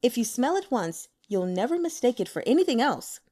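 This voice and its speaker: Earnest young male aide, read by a woman, higher and a little louder than the narration. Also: big pitch swings, brisk. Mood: explaining.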